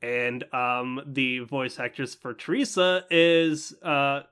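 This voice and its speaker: A man's voice: mid-range voice, little pitch movement, slow pace, bright, forceful tone, smooth. A young man co-hosting a casual anime review podcast, talking in a rambling way with many fillers. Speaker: podcast co-host.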